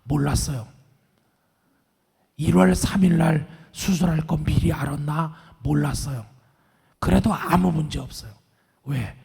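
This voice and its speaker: Hoarse middle-aged male pastor, raspy half-whisper, fairly high pitch, preaching calmly with long church reverb. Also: unhurried, long pauses. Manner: calm, earnest, reassuring. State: hoarse, strained voice after vocal cord surgery. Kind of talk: sermon. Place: large church sanctuary.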